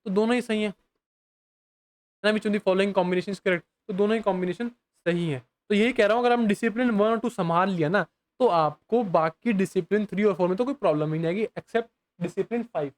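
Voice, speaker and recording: High-voiced young man teaching casually. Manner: reads English questions slowly, explains fast in casual Hindi; addresses viewers as bhai, often asks if they understand. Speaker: exam prep teacher. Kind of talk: casual lesson explaining exam questions.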